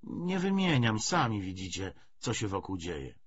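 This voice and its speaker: A doubting but deferential newcomer, played by a male audiobook reader, speaks in a halting, tentative way. The voice is slightly husky and varies a lot in pitch. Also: sing-song, muffled recording, full character voice. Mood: hesitant, doubting. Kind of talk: audiobook character dialogue.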